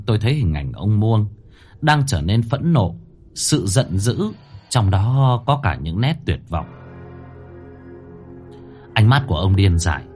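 Low, lively male horror storyteller. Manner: dramatic, suspenseful. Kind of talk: scripted horror story narration. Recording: faint music bed under the voice.

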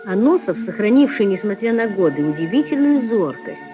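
A woman narrating a classic story in measured, lyrical phrasing. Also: mid-range voice, big pitch swings. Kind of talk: scripted literary narration. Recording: old radio recording with music.

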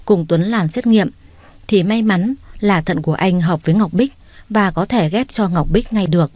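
A woman reading a family drama story aloud in a plain, even narrating voice. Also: on the low side, normal speed, dry recording. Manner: reads every part herself, plain and even.

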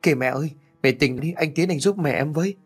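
A man voicing an anxious young daughter-in-law with a hurried, pleading way of speaking. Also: medium pitch, soft background music, pitched above the performer's own voice, close to an everyday voice. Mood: panicked.

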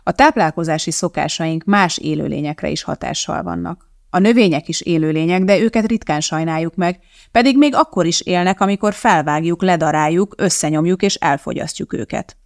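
Narrator doing a calm cooking show lady, all science talk, gravelly, dry sound. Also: medium pitch, no room sound, lightly acted. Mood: calm instructive. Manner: matter-of-fact, scientific explaining. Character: precise, unflappable woman TV cooking show host.

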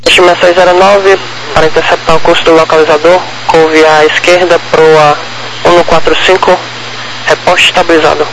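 Over a noisy walkie-talkie style radio, a Brazilian man gives air traffic control instructions. His voice is high for a man and stays very flat and procedural. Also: moderate pace. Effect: radio transmission.

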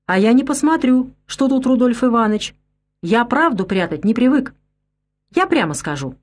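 A woman voicing a blunt older man partisan with a thick, husky voice, lecturing sharply. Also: a little high, lively intonation, moderate pace, voice pushed up. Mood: blunt scolding.

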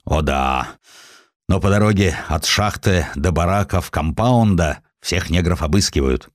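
A man voicing a gruff, arrogant middle-aged British magnate in a storybook reading, gloomy, blunt and grandiose. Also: low-pitched, expressive, a little slow, no room sound, studio quality.

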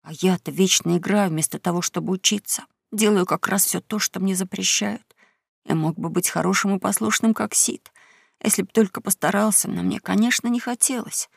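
A woman doing a hushed, bolder boy. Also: gravelly, slightly rough, no room sound, clean studio sound, exaggerated voice. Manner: low conspiratorial whisper. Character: boy, the bolder leader, whispering. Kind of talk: audiobook character reading.

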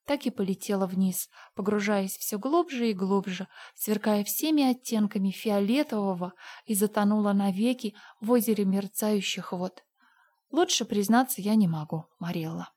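A woman's voice: mid-range voice, normal speed, darkish tone, husky, natural voice. An actress playing Anne, a dreamy, dramatic orphan girl of about eleven, with emotional, theatrical pleading. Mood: dreamy confession.

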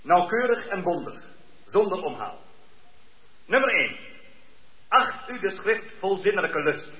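An actor playing a stern, impatient presiding judge who speaks in formal, commanding legal phrases in a radio drama. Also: male voice, high-pitched, big pitch swings, a little slow, sharp tone, heavily acted. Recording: roomy, dull lo-fi radio recording.

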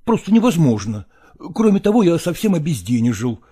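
A man's voice: fairly high pitch, sing-song, brisk, mellow, slightly rough. A man doing an evasive, flustered actor. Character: middle-aged male actor, evasive, nervous, wriggling out.

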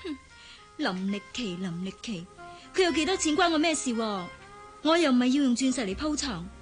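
An actress playing a spirited, romantic young woman student with a Hong Kong Cantonese accent in a radio drama, talking in a lively, sometimes sulky way. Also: high voice, normal speed. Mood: daydreaming. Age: young adult. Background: background music.

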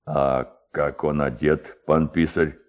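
A male narrator puts on a pompous, bossy village headman in a radio story. The voice sits low and moves with slow weight, every phrase handed down like an order from a middle-aged man used to ruling. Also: flat delivery, highs cut off. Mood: gruff, suspicious. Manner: slow, weighty, imperious delivery.

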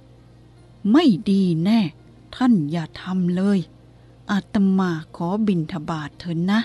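A woman voicing a calm, blunt elderly abbot who speaks plainly and firmly. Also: medium pitch, breathy edge, soft background music. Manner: plain-spoken, firm, unhurried.

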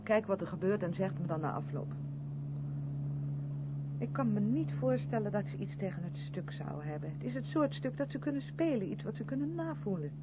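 A woman's voice: medium pitch, very animated, brisk, lightly acted. An actress playing an earnest, defensive white woman who directs amateur theatre, in a 1970s Dutch radio play, speaking insistently and justifying herself. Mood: explaining, defensive. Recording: muffled, hissy 1970s radio recording.

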